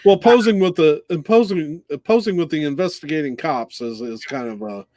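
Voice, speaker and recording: A man's voice: fairly high pitch, normal speed, a little mellow, dry recording. A man co-hosting a casual football picks show, hesitant and easygoing, often chuckling. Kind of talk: casual sports chat.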